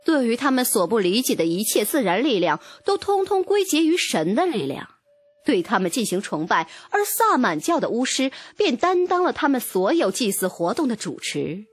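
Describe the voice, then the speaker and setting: A woman's voice: on the high side, very animated, normal speed, breathy edge, no echo, soft background music. A woman narrating a novel in a dramatic, scripted first-person storytelling style. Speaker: audiobook narrator.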